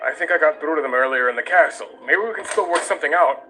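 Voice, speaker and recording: A man's voice: a little high, quick pace, pushed and bright, faint music behind, rough recording. A man voicing a reluctant, pragmatic young skeleton in a comic dub, casual and skeptical. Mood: reluctant, reasoning.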